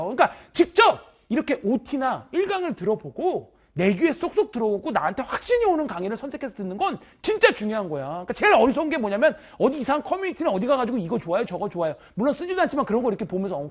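A male math teacher talks straight to his students in an online course orientation, teasing them and breaking into loud bursts of emphasis. His voice is husky and swings widely in pitch. He speaks casually and informally to them throughout. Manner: animated, teasing, bursts of shouting; informal, addresses students directly.

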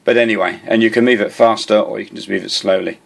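Gravelly and lowish, his voice stays steady as he talks fast through a casual gadget demo. The amateur radio hobbyist hosts the video from a desk in a small indoor room, filming on a handheld camera or phone, and his delivery is rambling and hesitant with frequent repetition.

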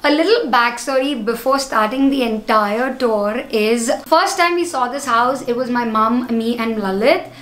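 A young woman talks brightly to camera, animated and gesturing as she walks around her home. Her voice sits high, and the room rings with echo from bare walls. A little music plays faintly underneath. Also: a little slow, few pauses. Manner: enthusiastic, gesturing widely while walking around. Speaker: vlogger giving a home tour. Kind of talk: casual chat to camera. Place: echoey indoor living room. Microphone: camera-mounted shotgun mic.

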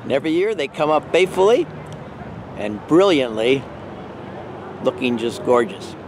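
A man in his sixties from Michigan, chatting in a relaxed, gentle way with pauses and fillers as he vlogs outdoors. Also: medium pitch, background noise. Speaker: nature vlogger. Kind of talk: casual outdoor vlog narration. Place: outdoors in a park, later indoors at home.

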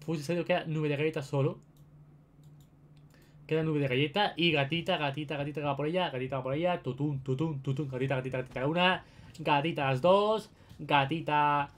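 A young gaming video host with an accent from Spain talks his viewers through gameplay in a casual, chatty way, repeating his phrases often. His voice is on the high side and brisk.

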